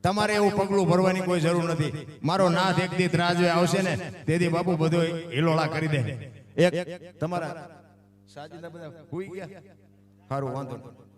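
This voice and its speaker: A man with a Kathiyawadi accent gives a folksy devotional talk and tells a village parable, warmly addressing his listeners. His voice sits high for a man. It is caught from a distance on a stage mic, with a roomy echo around it. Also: fairly even intonation, moderate pace. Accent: Kathiyawadi Gujarati. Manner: folksy, calls listeners "bapu". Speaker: folk storyteller.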